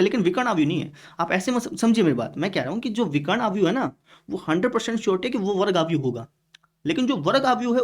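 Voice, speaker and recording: Chatty Hindi math teacher, bit high. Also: male voice. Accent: Hindi-speaking north India. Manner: conversational, voices students' replies, repeats "है ना". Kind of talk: classroom lecture.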